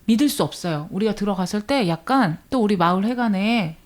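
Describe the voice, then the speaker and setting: A woman, speaking as an interview guest and telling stories in an earnest, animated way in a radio studio. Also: mid-range voice, a little fast. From rural Jeolla region of Korea. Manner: earnest, animated storytelling with quoted voices. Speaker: guest, village media educator. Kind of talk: conversational interview.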